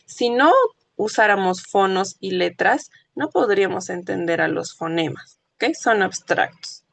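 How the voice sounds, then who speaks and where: A woman's voice: medium pitch, unhurried, vocal fry, fairly bright tone, dry recording. A woman teacher giving a classroom lecture, explaining patiently and checking often that her students follow. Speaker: language teacher.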